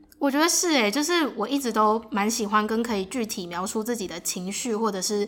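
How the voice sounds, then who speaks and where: A woman with an unremarkable speaking voice talks at a fairly quick pace with hardly any pauses. Her pitch is fairly high, with lively intonation. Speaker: podcast co-host. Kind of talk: casual chat.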